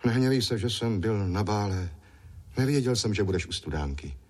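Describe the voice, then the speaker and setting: A man voicing an impatient, lovesick young soldier who talks excitedly and pleads. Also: fairly low pitch.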